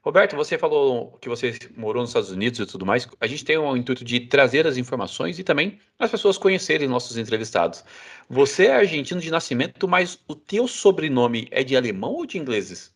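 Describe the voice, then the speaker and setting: A man's voice: medium pitch, sing-song, brisk. A man co-hosting an interview who jokes with the guest before asking questions. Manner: joking, teasing. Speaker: co-host interviewer.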